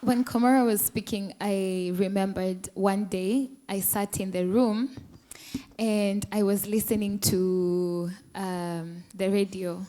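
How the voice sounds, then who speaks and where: A woman's voice: medium pitch, steady tone, takes it slowly, mellow. A woman speaking as a musician on a panel, earnest and impassioned. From Kenya. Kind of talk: panel discussion remarks.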